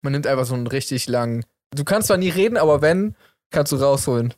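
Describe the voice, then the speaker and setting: A young man co-hosting a casual chat, relaxed and joking as he explains a game. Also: medium pitch, fast, dry recording, clean studio sound. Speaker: podcast co-host.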